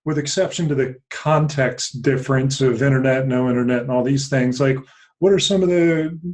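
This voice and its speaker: A man's voice: medium pitch, moderate pace, darkish tone. Man in his thirties hosting a podcast. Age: 30s. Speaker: podcast host. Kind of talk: interview questions.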